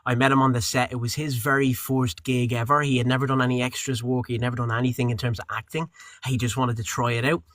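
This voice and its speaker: A male voice actor chatting freely, his tone bright and forward and his words wandering with lots of fillers and restarts. the sound is dry and close, recorded in a booth with little room echo. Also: mid-range voice, fast. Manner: rambling, relaxed, with frequent fillers and restarts. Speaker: voice actor and audiobook narrator. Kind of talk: casual interview chat.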